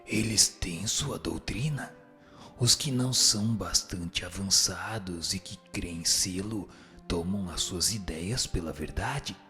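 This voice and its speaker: A man playing a grave, admonishing spirit teacher in a scripted audio drama, speaking in a solemn, measured, didactic way. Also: deep voice, bright, forceful tone, soft background music, heavily acted. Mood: solemn, instructive.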